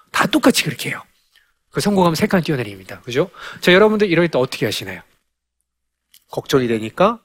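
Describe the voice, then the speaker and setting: A man giving a lecture to parents on raising children, animated and full of rhetorical questions. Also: high voice. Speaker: parenting educator.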